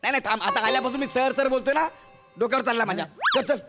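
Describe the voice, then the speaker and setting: Brief: high-pitched, lively Marathi man as a pushy director in a stage comedy, loud music under him. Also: very fast. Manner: bossy, coaxing, energetic.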